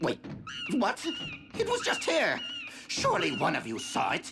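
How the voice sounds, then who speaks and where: A man does a cartoonish character voice at a moderate pace, with clear background noise behind him. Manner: smug, sniveling.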